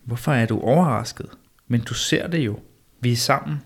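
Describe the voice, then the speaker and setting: A man reading the part of the old prophet Elijah in a measured, insistent way, during an amateur read-through. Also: medium pitch, close to an everyday voice. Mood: solemn. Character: old male prophet Elijah, calm and solemn.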